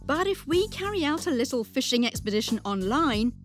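A woman in her thirties with a New Zealand accent, narrating a consumer news story in a lively, wry and emphatic manner. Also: high-pitched, brisk, faint music behind. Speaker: consumer affairs reporter.

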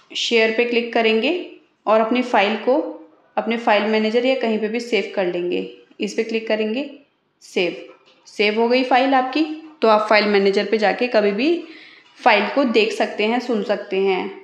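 A woman with a slightly high voice narrates a tech tutorial step by step. She explains as she demonstrates, in an instructional way. The recording is clearly roomy and echoey. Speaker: host of phone tutorial videos.

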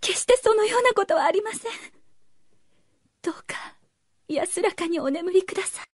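A woman's voice: extremely high pitch, expressive, normal speed. A woman playing a timid, devoted young maidservant in a radio drama, speaking deferentially and pleadingly. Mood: anxious. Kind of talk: Japanese radio drama acting.

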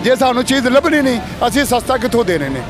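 Male shopkeeper, very high voice, blunt replies, crowd noise and music behind. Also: very animated, fast talker. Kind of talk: street interview answers. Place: outdoor vegetable market. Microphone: handheld mic held by reporter.

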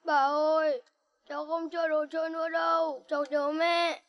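A sobbing small grandchild. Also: female voice, high-pitched, level tone, normal speed, dull audio. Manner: sobbing, calling out. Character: small grandchild crying for mother. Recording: television drama with loud background noise.

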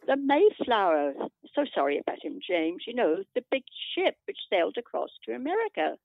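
A woman acts an older British wife in a radio play, gossiping and nagging her husband. Her voice is creaky and very lively in pitch. It comes down a tinny, muffled phone line. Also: normal speed, no room sound, exaggerated voice. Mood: chatty. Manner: rambling, gossipy, tag questions. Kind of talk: radio drama monologue.

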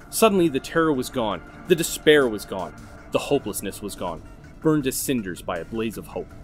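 A man reading dramatic scripted narration as a narrator, intense and emphatic. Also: lowish voice.

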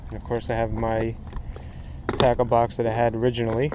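A mid-pitched kayak angler rambles fairly quickly through a casual show-and-tell of his gear, peppering it with "uh," outdoors in shallow water beside his kayak. The action camera mounted on the kayak gives muffled, noisy audio full of wind and water.

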